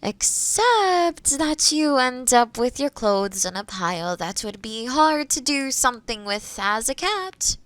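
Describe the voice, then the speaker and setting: A woman playing a kind forest witch in a roleplay audio drama, explaining things gently and thoughtfully to the listener. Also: on the high side, big pitch swings, slow, hardly any pauses, dry recording, full character voice. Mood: wryly amused.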